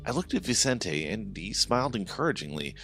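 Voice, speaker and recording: A man's voice: fairly low pitch, big pitch swings, fairly quick, fairly bright tone, soft background music. A man narrating a horror story in the first person, with dramatic scripted delivery.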